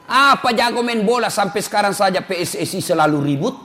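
A man in middle age delivers a sermon with lots of humor, addressing his listeners directly. His voice sits fairly high and swings widely in pitch. He has an animated, lively delivery. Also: fairly quick, noisy background. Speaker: preacher.

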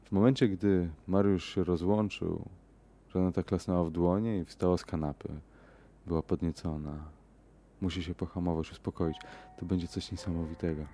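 A deep, gravelly male voice reads a horror story in a measured, unhurried way. The tone is dark and mellow, and he grows hesitant when he talks off script. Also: fairly even intonation, slight background noise. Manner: measured, hesitant in the outro with fillers. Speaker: podcast host and reader.

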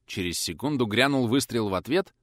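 A man's voice: mid-range voice, animated, fairly quick, a bit bright, dry recording, clean studio sound. A man narrating a war adventure audiobook in a tense, vivid manner.

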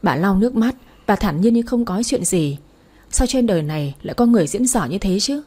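A woman narrates a first-person story in a calm, steady way. Her voice is mellow and somewhat husky. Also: medium pitch, fairly quick.

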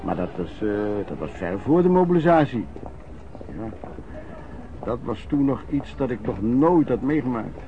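An actor playing an old vagrant in a radio drama, reminiscing in a colloquial, halting way and repeating words. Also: male voice, medium pitch, big pitch swings. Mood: disgusted reminiscing. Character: old vagrant recalling wartime lodging-house life, earthy storyteller. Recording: muffled old radio recording, background noise.

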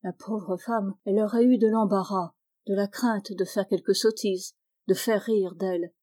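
A woman's voice: mid-range voice, fairly even intonation, moderate pace, warm tone, lightly acted. A woman voicing a blunt older male farmer in a storybook reading, speaking frankly and plainly.

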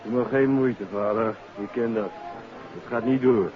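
A man's voice: medium pitch, fairly even intonation, measured pace, natural voice. An actor playing a brusque, slangy, dismissive nightclub doorman in a 1950s Dutch radio play. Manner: curt, slangy. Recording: thin, muffled old radio recording.

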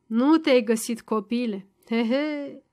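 A woman voicing a stubborn, crafty old peasant father-in-law who speaks in a loud, gruff, mocking way. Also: on the high side, close to an everyday voice. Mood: mocking, firm.

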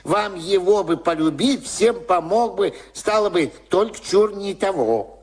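Casting: hermit adviser, unhurried singsong verse, fairly high voice, radio fairy tale. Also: male voice, expressive, a little mellow, breathy edge, exaggerated voice. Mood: earnest, cautioning. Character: hermit sage, riddling folk-tale adviser. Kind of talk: verse radio play acting.

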